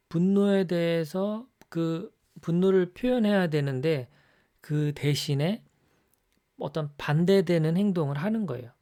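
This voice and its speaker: A man giving an explanatory lecture on personality types in a conversational way, often checking in with the listener with a quick rising tag. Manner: acts out scolding examples in a louder, higher voice.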